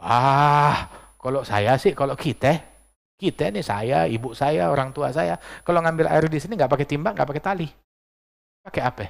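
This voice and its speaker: A male preacher voicing a small boy of four or five who speaks calmly and plainly in a sermon story. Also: a little high, normal speed, gravelly. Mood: casual.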